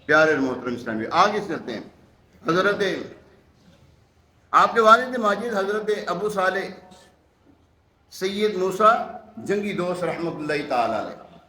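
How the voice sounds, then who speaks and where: A man's voice: high voice, big pitch swings, pauses often, bright, forceful tone, echoey room. A man giving a religious sermon, telling stories and acting out the quoted lines with emphatic rhetorical questions. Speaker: preacher. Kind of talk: Urdu religious sermon with storytelling.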